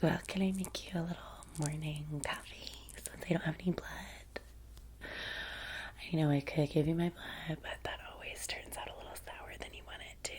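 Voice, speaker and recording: A woman playing a vampire's chatty, fawning young assistant in an ASMR roleplay, soft-spoken and breathy, with an American Valley girl accent and rambling, hesitant phrasing. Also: low-pitched. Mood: eager, coaxing. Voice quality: breathy, mostly whispered.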